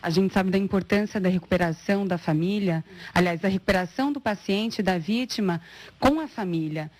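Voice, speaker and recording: Brief: woman host, mid pitch, steady and measured, leads a health interview.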